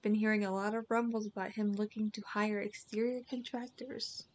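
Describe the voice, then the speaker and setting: A woman's voice: medium pitch, flat delivery, normal speed, close to an everyday voice. A woman playing a wry undercover bodyguard in a roleplay audio drama, speaking in a dry, casual, teasing way. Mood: matter-of-fact.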